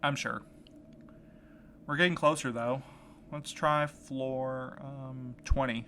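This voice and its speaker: A man's voice: mid-range voice, steady tone, slow, sharp tone. Man acting as Milo, an earnest, desperate searcher. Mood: uneasy, certain. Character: Milo, desperate, determined man searching for his missing husband. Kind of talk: audio drama podcast acting. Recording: clear background noise, ambient sound bed.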